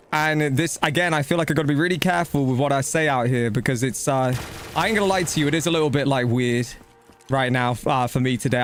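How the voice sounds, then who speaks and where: Blunt, slangy man streaming a game over faint noise. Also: a little high. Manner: blunt, slangy, sweary, matey. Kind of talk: casual live gameplay commentary with chat.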